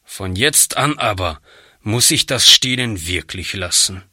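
A man's voice: lowish voice, lively intonation, unhurried, sharp tone, no room sound, studio quality, exaggerated voice. A man reading a storybook aloud, voicing a surly, defiant one-legged boy who grumbles bitterly. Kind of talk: audiobook reading.

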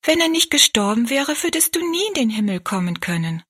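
Woman doing a devout little girl, high-pitched, slightly breathy, storybook. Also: very animated, a little fast, a bit bright, exaggerated voice. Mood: earnest. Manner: eager, sincere questioning. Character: earnest pious little girl, gentle and curious.

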